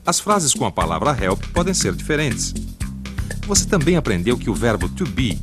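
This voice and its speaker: A man's voice: mid-range voice, very animated, moderate pace. A man with a Brazilian Portuguese accent reading an upbeat scripted review voice-over. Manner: upbeat, emphatic. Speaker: review announcer. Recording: over music bed.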